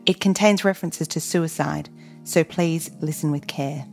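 A woman host presenting scripted links with a clear, composed delivery. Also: sits low, moderate pace. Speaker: podcast host. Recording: soft music underneath.

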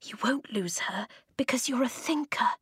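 A woman plays a brave young storybook heroine. The voice is an urgent, raised whisper, insistent and steady, recorded dry. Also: a little high, normal speed, husky, no room sound, voice pushed up, heavily acted. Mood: urgent, encouraging. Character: brave, urgent young girl leading her friends.

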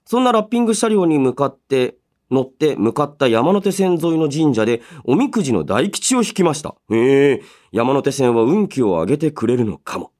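A man hosting a solo radio show, chatting and reading listener mail in an animated way, slipping between polite announcing and casual asides. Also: medium pitch, normal speed. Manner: animated storytelling with sound-effect words and casual asides.

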